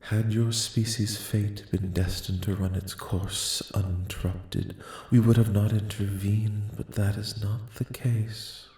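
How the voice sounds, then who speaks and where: A man voicing a calm, courteous alien collective in a soft-spoken ASMR roleplay, speaking in slow, formal, reassuring phrases. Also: lowish voice. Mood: calm, solemn. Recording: echoing, reverberant voice.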